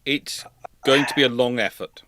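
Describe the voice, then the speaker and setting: A man hosts a naval history livestream, discussing history casually yet analytically in a medium-pitched, sharp voice at normal speed. He's discursive, often repeating and rephrasing himself. The recording quality is low.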